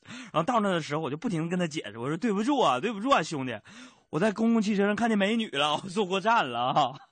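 A man's voice: high voice, very animated, quick pace, a bit bright, breathy edge, no echo. A male radio host, telling jokes in a comic monologue from a studio and laughing at his own punchlines.

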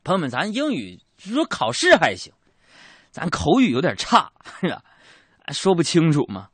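A man's voice: on the high side, huge pitch swings, normal speed, fairly bright tone, breathy edge, no room sound. A young man performing a stand-up comedy monologue, telling chatty stories with colloquial asides and self-mocking punchlines.

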